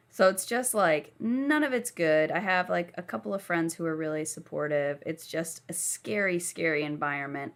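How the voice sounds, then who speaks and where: Low, gravelly young woman telling her story. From southern United States. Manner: frank, unguarded storytelling. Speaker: podcast guest. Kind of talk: candid life-story telling. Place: lying down while recording.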